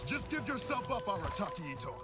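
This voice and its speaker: A man's voice: sits high, big pitch swings, fairly quick. A man voicing a stern, zealous soldier in a video game, calling out in a commanding way. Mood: urgent, commanding. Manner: commanding, shouted orders. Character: stern, zealous male army soldier leading pursuit. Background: loud game music.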